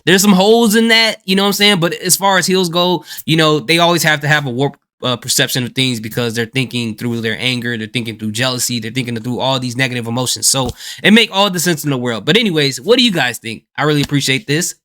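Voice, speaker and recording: A man hosting a reaction video, giving relaxed, chatty commentary with stammering restarts. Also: medium pitch, quick pace, few pauses.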